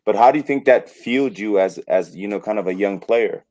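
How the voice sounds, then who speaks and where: A man's voice: fairly low pitch, a little fast, darkish tone. A man co-hosting a podcast, asking questions and often murmuring agreement. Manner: attentive, frequent affirmations. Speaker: podcast co-host. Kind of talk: podcast interview.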